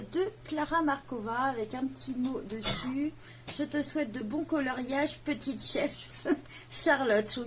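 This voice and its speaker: A woman's voice: on the high side, slight background noise. A woman, chatting casually as she unboxes gifts, full of fillers and self-mocking asides. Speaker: coloring vlogger.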